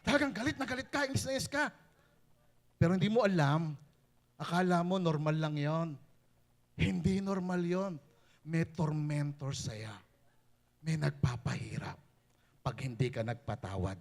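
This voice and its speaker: A male pastor preaching a sermon, switching between Tagalog and English with animated, rising emphasis. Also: fairly high pitch, moderate pace, gravelly, long pauses.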